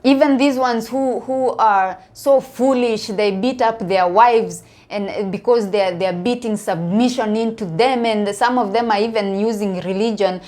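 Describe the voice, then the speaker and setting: A woman's voice: fairly high pitch, measured pace, few pauses, darkish tone. Kenyan woman giving casual opinions. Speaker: online video commentator. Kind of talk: casual opinion talk to viewers.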